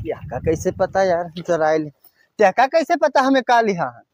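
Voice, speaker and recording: Man acting a high-voiced, furtive Awadhi grain thief. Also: big pitch swings, normal speed, highs cut off, a little hiss or hum. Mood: testy, defensive. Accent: Awadhi, eastern Uttar Pradesh. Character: furtive, testy village grain thief addressed as uncle. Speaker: comedy sketch actor. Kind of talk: rustic comedy sketch acting.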